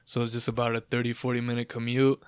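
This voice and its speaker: A man's voice: medium pitch, monotone, fast, smooth, dry recording. A man in his twenties hosting a casual podcast, chatty and rambling with an upbeat manner. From Southern California. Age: 20s. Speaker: podcast host.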